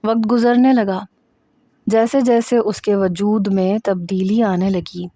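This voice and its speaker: A woman narrating a first-person love story in a steady, plain reading. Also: medium pitch, dry recording.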